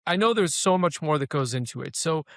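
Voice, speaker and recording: A man's voice: on the high side, animated, fairly quick, a bit bright, no room sound, clean studio sound. A man hosting an interview show, asking questions in a conversational way with frequent "you know" fillers. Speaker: podcast host.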